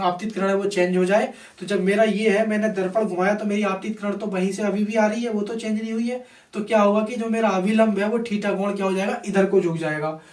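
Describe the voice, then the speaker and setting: A man teaching exam students, repeating key phrases, asking and answering his own questions, and mixing in English technical terms. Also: high voice. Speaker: physics teacher. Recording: roomy echo, distant microphone.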